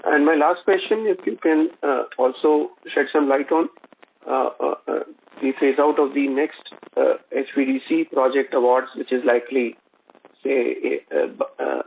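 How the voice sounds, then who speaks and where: A man asking analyst questions on a business conference call, speaking haltingly with many repeated uhs. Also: mid-range voice, creaky. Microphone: telephone conference line. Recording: tinny phone line with faint noise.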